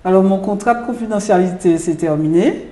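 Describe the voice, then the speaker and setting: A woman's voice: mid-range voice, fairly quick, dark tone. A woman from Martinique, a jewelry designer, answering interview questions in a hesitant way with many filler sounds. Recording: roomy echo.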